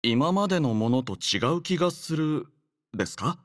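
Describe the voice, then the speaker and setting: Anime game role: young male android soldier, played by a man, slightly higher register, polite, formal, earnest and composed; dry studio sound. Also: expressive, normal speed, no room sound, natural voice. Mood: considerate, composed. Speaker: game character voice. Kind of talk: scripted anime game voice lines.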